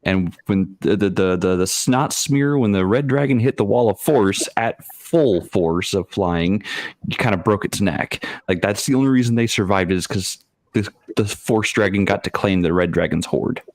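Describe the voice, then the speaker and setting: A man's voice: on the low side, moderate pace, a little mellow, no room sound. A man on a panel casually telling gaming anecdotes in a matter-of-fact way, stumbling over repeated words.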